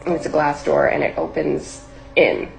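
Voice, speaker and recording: A woman's voice: low voice, little pitch movement, normal speed, gravelly, a little mellow, poor audio. A young woman casually telling a personal story, rambling with lots of "like" fillers. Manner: rambling, heavy use of "like" fillers. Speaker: storyteller recounting a personal experience. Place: livestream or video setup.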